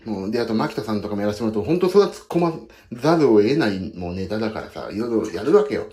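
This fairly low, warm male voice comes at you rapid-fire and very animated. He's a pianist and audio podcaster chatting loosely about his work from a foot bath, peppering his stories with jokes at his own expense, and the bathroom gives everything an echo.

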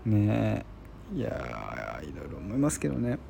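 A man's voice: lowish voice, huge pitch swings, moderate pace, creaky, background noise. A man hosting a casual solo chat show, rambling and self-deprecating with lots of filler words. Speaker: podcast host.

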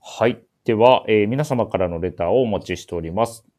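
Deep-voiced, fast-talking Japanese radio host, a man. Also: darkish tone. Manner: polite, teasing. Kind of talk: casual radio show chat and announcements. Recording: remote connection audio.

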